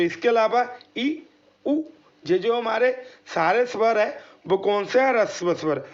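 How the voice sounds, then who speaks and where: Over lo-fi sound, a high-voiced man gives an exam prep lesson, treating listeners as friends, sounding letters aloud, and working through questions he raises and answers himself, step by step.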